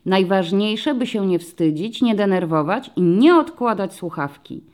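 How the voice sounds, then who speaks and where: A woman voicing a patient, friendly male police commissioner who explains things slowly to young children in an audiobook story. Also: mid-range voice, lively intonation, a little mellow, natural voice. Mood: explaining.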